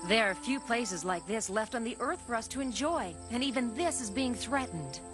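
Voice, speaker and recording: A woman's voice: fairly high pitch, expressive, normal speed, lightly acted. A woman playing a kindly, outdoorsy biologist in a 1980s cartoon, speaking in a friendly, casual, earnest way. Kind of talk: 1980s animated series acting. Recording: loud soundtrack music under dialogue.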